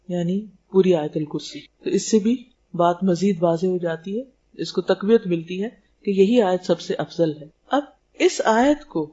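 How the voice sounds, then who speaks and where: A woman's voice: medium pitch, mellow, highs cut off. A woman teaching a religious lecture, explaining terms and asking rhetorical questions. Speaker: Islamic teacher.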